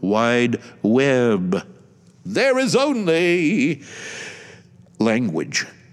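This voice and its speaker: A man with an American accent, over noticeable background noise. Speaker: radio DJ and podcaster. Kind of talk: solo commentary monologue.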